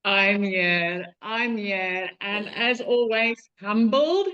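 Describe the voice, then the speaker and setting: South African mum guest, mid pitch, warm storytelling, dull lo-fi sound. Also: female voice, extremely slow. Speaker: webinar guest.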